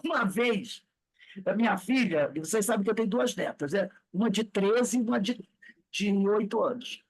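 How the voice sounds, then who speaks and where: A husky, slightly breathy woman in her sixties speaks with a Brazilian Portuguese accent, lecturing a small study group in a meeting room. She tells stories in a chatty way and acts out the voices of the people she quotes. Her pitch sits in the middle range. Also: expressive, moderate pace, darkish tone.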